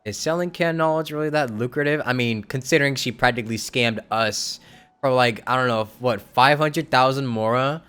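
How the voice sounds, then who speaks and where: A young man giving casual, slangy live gameplay commentary, reacting aloud in a halting way. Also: mid-range voice, fairly bright tone, clear, resonant tone. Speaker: game streamer.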